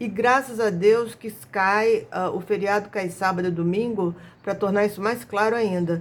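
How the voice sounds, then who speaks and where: Her voice is an unremarkable speaking voice, and the woman talks at a fairly slow pace with fairly even intonation. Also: medium pitch for a woman. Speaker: astrologer. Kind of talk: video monologue, astrology forecast.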